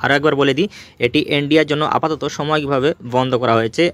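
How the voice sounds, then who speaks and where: A man's voice: fairly high pitch, fairly even intonation, fast talker, fairly bright tone. A man narrating a casual how-to screen-recording tutorial, mixing English words into his sentences and addressing viewers directly with frequent check-in tags. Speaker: tech tutorial host.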